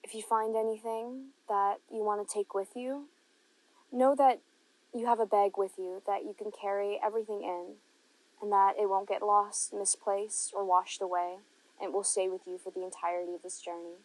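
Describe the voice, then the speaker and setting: A woman narrating a guided meditation, giving gentle, unhurried instructions with long pauses between phrases. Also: mid-range voice, level tone, low-quality recording.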